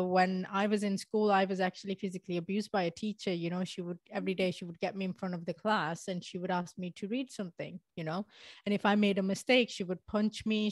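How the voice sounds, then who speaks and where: A woman's voice: medium pitch, no echo. A young adult woman from Pakistan, a motivational speaker telling her story in a chatty interview, laughing often and using many fillers. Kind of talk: conversational interview.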